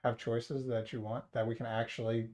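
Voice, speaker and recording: A man's voice: mid-range voice, level tone, moderate pace, a little mellow. A man hosting a casual livestream, joking and rambling to his chat. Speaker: livestream host.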